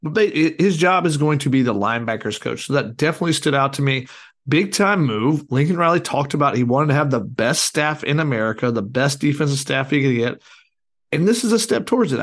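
A man co-hosting a casual sports podcast, hoarse as his voice comes back, talking in a rambling way with many fillers. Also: a little high, a bit bright. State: hoarse, recovering lost voice. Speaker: podcast co-host.

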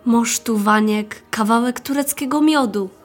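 A woman's voice: on the high side, measured pace, soft background music. A young female performer playing an innocent, tender poor child in a radio play, with a Silesian Polish accent.

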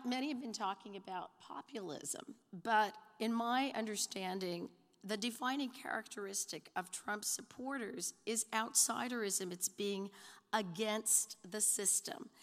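Hoarse woman speaking in a reverberant hall. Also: medium pitch, a bit bright. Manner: hesitant restarts and fillers, occasional wry asides. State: hoarse, losing her voice. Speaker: conference panelist. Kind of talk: semi-prepared academic talk.

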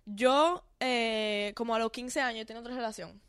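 Dominican woman chatting, fairly high voice. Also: moderate pace, clean tone, no echo, clean studio sound. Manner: chatty, talks through her story openly. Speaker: podcast guest. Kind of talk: casual podcast chat.

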